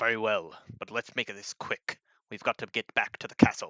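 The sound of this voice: At a moderate pace and medium pitch, a man talks in a put-on character voice.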